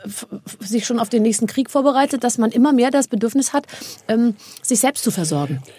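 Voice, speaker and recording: A woman's voice: fairly high pitch, animated, fairly quick, mellow, husky, no room sound. A woman hosting a podcast, chatting playfully and teasing her guest. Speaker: podcast host. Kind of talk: casual interview chat.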